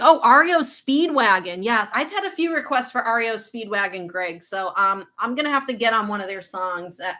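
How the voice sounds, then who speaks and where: A woman's voice: medium pitch, sharp tone. A woman in her thirties with a faint Boston accent, a guitar teacher chatting casually on a livestream and answering viewer questions. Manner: chatty, reads out viewer comments, quick asides.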